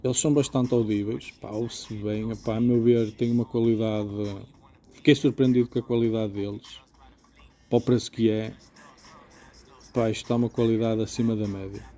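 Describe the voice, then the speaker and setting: A motorcycle gear reviewer with a European Portuguese accent gives a casual, informal hands-on product review, walking through things step by step and often checking in with "ok?". His lowish voice is mellow and steady at a moderate pace.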